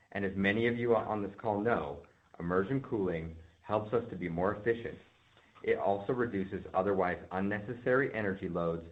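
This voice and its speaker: A man delivering a scripted, formal and deliberate address as a company executive on an earnings call. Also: sits low. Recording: narrow, tinny phone line.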